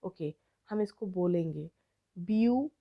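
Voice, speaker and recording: Slow-spoken Indian woman teaching grammar. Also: mid-range voice, dull audio. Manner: slow, drawn-out word-by-word explanation, mixing Hindi and English. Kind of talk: online grammar lesson.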